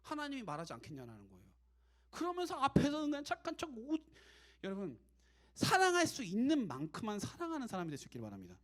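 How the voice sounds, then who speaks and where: A man preaching a casual, conversational sermon to young adults as their youth pastor, animated and direct. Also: very high voice, fast.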